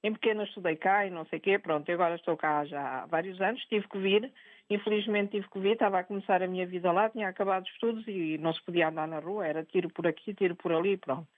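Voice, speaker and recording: A woman's voice: medium pitch, no room sound. An older, retired woman from Angola calling in to a TV talk show, chatty and direct. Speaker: phone-in caller. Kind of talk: call-in opinion. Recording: tinny phone line.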